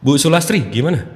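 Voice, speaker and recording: A man's voice: a little high, in a large hall. A man casually hosting an online debate, joking and chatty. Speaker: debate host.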